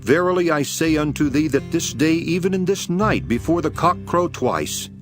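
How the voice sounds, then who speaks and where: An actor playing Jesus as a solemn, authoritative teacher, declaiming archaic scripture in a dramatized Bible audio production. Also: male voice, on the high side, animated, moderate pace, close to an everyday voice. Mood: grave. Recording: music behind the voice. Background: background music.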